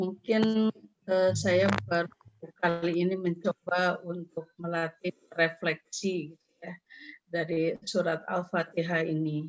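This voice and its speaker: A woman at a fairly low pitch and a very slow pace, with fairly even intonation and big swings in loudness. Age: 60s. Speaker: workshop participant. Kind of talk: sharing personal experience in online session. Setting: online video meeting.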